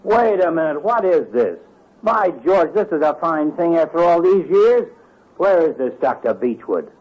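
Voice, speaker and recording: A sarcastic old town doctor. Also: male voice, fairly high pitch, big pitch swings, normal speed, darkish tone. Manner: dry, sarcastic. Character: sardonic bickering older town doctor. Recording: muffled old radio transcription.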